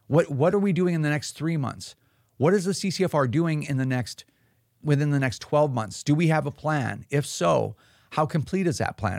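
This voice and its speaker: A man's voice: mid-range voice, vocal fry, no room sound, clean studio sound. A man hosting a podcast, talking casually and rambling through restarts and fillers. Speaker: podcast host. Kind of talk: casual talk show monologue.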